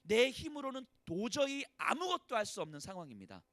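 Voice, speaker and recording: Impassioned preaching man, lively pitch. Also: brisk, no room sound. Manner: impassioned, swings between loud pleading and hushed lament; voices prayers of complaint in first person. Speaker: pastor. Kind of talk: sermon. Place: church service.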